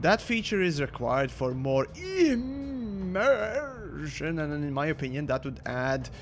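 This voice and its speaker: A man speaks fairly slowly with music playing in the background. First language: Latvian. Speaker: gaming streamer. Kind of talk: livestream commentary. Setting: livestream. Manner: halting.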